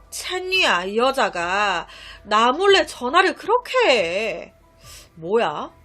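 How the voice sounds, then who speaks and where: A woman's voice: high-pitched, fairly bright tone. A woman narrating a true-crime story in a chatty, conversational way, with asides to her listeners. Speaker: storytelling YouTuber. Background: faint background music.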